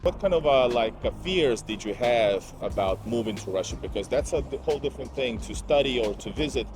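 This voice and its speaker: A man hosting a casual travel vlog interview outdoors in a city park, chatty and upbeat with filler pauses. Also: mid-range voice, expressive, background noise. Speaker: host, travel vlogger.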